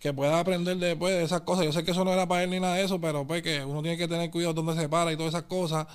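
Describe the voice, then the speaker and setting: A man with a Puerto Rican accent chats in a quick, lively stream of street slang and keeps calling his listener papi and brother. His voice sits high and comes through smooth and clear. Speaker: guest artist. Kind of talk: casual interview chat.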